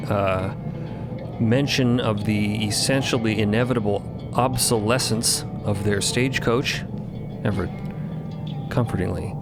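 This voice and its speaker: A man's voice: on the low side, vocal fry. A man narrating a fiction podcast in a conversational way, slipping into casual character dialogue. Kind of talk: present-tense fiction podcast storytelling. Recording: voice under loud music bed.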